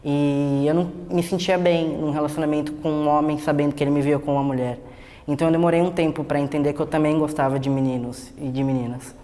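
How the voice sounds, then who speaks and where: A twenty-one-year-old trans man with a Brazilian accent, speaking in a measured, reflective way. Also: a little high, steady tone, mellow. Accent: Brazilian Portuguese. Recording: room with long reverb.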